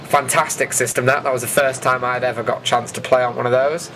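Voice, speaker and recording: A man hosts with a casual voice-over at a middling pitch. His delivery is informal and dryly jokey, with an enthusiast's interest. There is faint noise behind him. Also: little pitch movement, quick pace, a bit bright. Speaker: video host narrating event footage.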